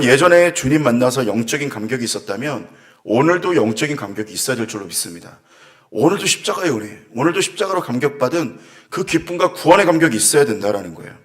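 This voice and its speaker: A man's voice: mid-range voice, fairly bright tone. A man preaching a sermon as pastor, earnest and reflective, with sighing asides as he muses aloud. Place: church.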